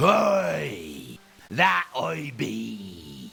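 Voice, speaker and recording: Using a put-on character voice, a man sounds raspy and pitched very deep and low. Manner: exaggerated, playful.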